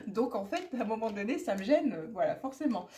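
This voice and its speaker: A middle-aged French woman vlogs a shopping haul, chatting casually to the camera and rambling with lots of fillers and asides. Her voice sits fairly high and is mellow yet very animated, at a normal speed, and a cough keeps interrupting her.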